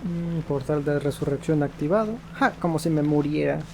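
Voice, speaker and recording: Highish-voiced Mexican man gaming. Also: fairly quick, vocal fry, background noise. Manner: slangy, playful. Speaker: gaming video host. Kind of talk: casual let's-play commentary. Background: faint game music.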